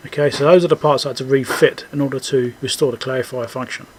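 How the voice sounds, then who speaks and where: A man giving a casual, unscripted technical walkthrough as a repair host, halting as he thinks aloud. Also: medium pitch, steady tone, slight background noise.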